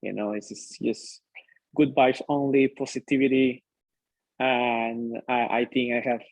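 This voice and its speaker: A young man with a Mexican Spanish accent chats as an upbeat interview guest and keeps tagging his sentences with "right?". His intonation stays even and flat, with little rise and fall. The recording is dry and close. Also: mid-range voice, dry recording, rough recording. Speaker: interview guest, PhD student. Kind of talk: casual interview chat.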